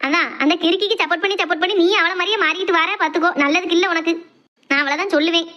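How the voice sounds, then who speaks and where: Woman doing a very high-pitched old village mother-in-law. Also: steady tone, racing. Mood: scolding. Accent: Tirunelveli Tamil. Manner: snappy, scolding dialect speech. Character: grumpy, irritable elderly village mother-in-law. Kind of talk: cartoon family comedy dialogue. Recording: dull lo-fi sound.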